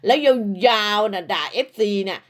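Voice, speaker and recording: A woman's voice: medium pitch, normal speed. A woman ranting at rival creators, scolding and insulting them crudely, with repeated short tags. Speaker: online commentator. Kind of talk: profane rant at rival creators.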